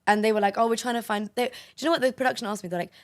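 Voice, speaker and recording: A woman's voice: a little high, rapid-fire. A woman from London with a London accent, a podcast guest chatting casually and acting out other people's lines as she tells a story. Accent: London English. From London, England. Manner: animated storyteller acting out quotes. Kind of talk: casual chat.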